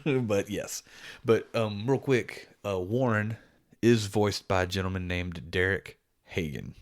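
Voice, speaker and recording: A man co-hosting a casual gaming podcast, rambling and animated, often restarting his sentences. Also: on the low side, slow. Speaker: podcast co-host.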